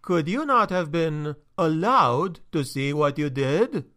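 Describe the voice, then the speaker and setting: A man's voice: on the high side, expressive, sharp tone, full character voice. A man reading a story aloud, voicing an anxious male steward who talks in a shaky, pleading way. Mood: agitated. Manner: shaky, agitated, slow and pleading.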